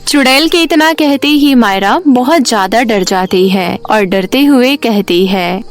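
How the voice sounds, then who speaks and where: High-voiced woman narrating a story. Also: animated, unhurried. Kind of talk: scripted children's story narration.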